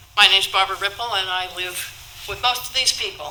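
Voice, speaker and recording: Against noticeable background noise, a woman with a medium pitch speaks at a fairly quick pace with ordinary pitch variation. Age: 80s+. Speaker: resident. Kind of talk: public comment. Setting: public meeting. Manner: loud. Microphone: no microphone.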